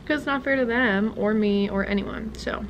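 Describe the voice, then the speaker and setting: A woman's voice: on the high side, normal speed, highs cut off, a little hiss or hum. A young woman, a music teacher, chatting casually and rambling with laughs as she vlogs from her car. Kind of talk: casual vlog chat.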